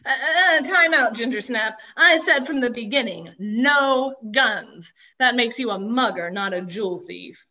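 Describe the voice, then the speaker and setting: An actress playing a bossy jewel thief disguised as a salesperson, with salesperson patter, over a video call. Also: female voice, a little high, lively intonation, unhurried, sharp tone, lo-fi sound, exaggerated voice.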